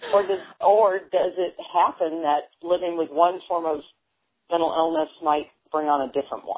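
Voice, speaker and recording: With an ordinary speaking voice, a woman talks at a moderate pace, fairly low in pitch and fairly even in intonation. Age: 60s. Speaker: caller with mental illness. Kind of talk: question on a call-in. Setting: phone conference call.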